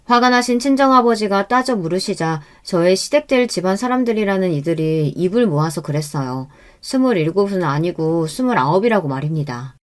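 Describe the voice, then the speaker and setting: A woman narrating a first-person life story in a calm, even scripted telling. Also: fairly low pitch, a little fast.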